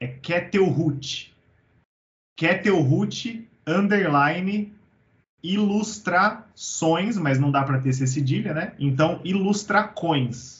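A man speaks at a very slow pace. His voice is high-pitched, with lively intonation. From interior of São Paulo state, Brazil (Pirassununga). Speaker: illustrator. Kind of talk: casual interview.

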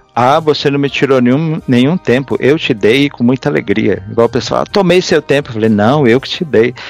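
Over music in the background, a man of medium pitch talks at a fairly quick pace with ordinary pitch variation and hardly any pauses. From Minas Gerais, Brazil (Belo Horizonte). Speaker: blind musician and computer course creator. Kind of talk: interview.

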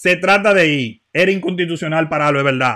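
A man in a Dominican accent, fairly high in pitch, with a bright, sharp tone, an animated tone and lively intonation. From Dominican Republic, Santo Domingo. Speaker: political commentator. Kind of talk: live stream monologue. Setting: live stream.

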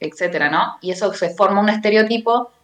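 Her intonation fairly even and her speed moderate, a woman talks in a plain, everyday voice. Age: young. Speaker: young guest. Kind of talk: radio interview.

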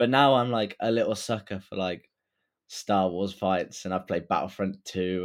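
On a very clean recording with a silent background, the speaker talks at a moderate pace. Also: man. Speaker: podcast guest. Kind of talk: casual chat.

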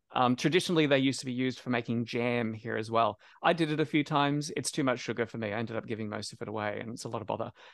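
A man with an Australian accent talks at a very fast pace with hardly any pauses. His pitch is medium with ordinary variation, and the background is quiet. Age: 40s. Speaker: experimental farmer and science fiction author. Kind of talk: casual chat.

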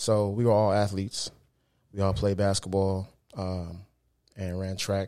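A man with an American accent speaks fairly slowly in a fairly low, monotone, flat voice, with long, frequent pauses. The recording is very clean, with a silent background. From Bay Area, California (Hayward/Oakland). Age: 20s. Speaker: fitness trainer and business owner. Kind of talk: casual interview.

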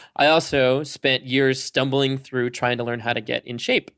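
A man with an American accent speaks in a normal speaking voice at medium pitch. He talks at a fairly quick pace over a quiet background. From Massachusetts. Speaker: fitness blogger and author. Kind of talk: casual interview.

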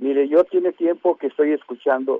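A man speaks with a Mexican accent and fairly even intonation. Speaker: caller. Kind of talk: casual chat. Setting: phone call. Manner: halting.

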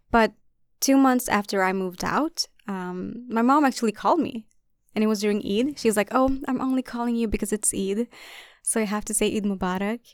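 A woman speaks in a normal speaking voice at a fairly quick pace with ordinary pitch variation. The recording is very clean with a silent background and a dry, close sound with no echo. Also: fairly high pitch for a woman. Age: 20s. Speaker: makeup artist and dancer. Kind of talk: casual chat. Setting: studio.

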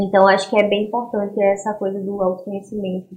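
At a moderate pace, the voice comes out somewhat breathy and monotone, its intonation flat. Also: woman. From Brazil, Recife (Pernambuco). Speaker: cultural mediator at art gallery. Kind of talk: interview.

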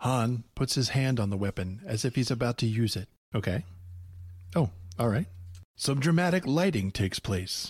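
On a very clean recording with a silent background, a man with a medium pitch and a somewhat breathy voice talks at a moderate pace with lively intonation, very even loudness, and long, frequent pauses. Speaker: podcast host. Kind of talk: casual chat. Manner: animated.

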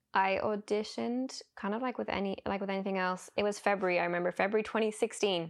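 Very fast and with a Dublin accent, a woman of medium pitch speaks with ordinary pitch variation. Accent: Irish (Dublin). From Ireland, Dublin. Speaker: actress. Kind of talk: casual interview.

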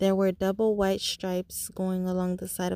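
Someone reads aloud in a natural voice.

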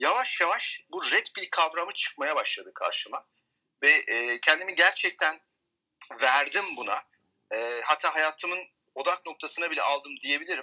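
The voice moves at a moderate pace with long, frequent pauses, in a dry, close sound with no echo. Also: man. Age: 40s. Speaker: doctor and dating coach. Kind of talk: casual chat. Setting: online audio room.

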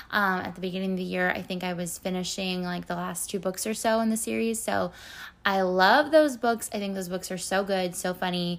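An unremarkable speaking voice from a woman, medium in pitch with ordinary pitch variation, at a fairly quick pace in a very clean recording with a silent background. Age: 20s. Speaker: book podcaster. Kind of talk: casual solo monologue. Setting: recording alone at home. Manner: casual with many fillers.

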